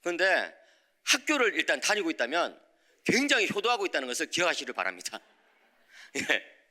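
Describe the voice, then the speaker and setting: A middle-aged man preaching a dawn sermon in a church, telling a personal story with lively acted-out voices and frequent checks with the congregation. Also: a little high, a little fast. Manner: animated, acts out quoted voices, frequent "예?" to the congregation. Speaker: preacher, visiting professor. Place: church sanctuary.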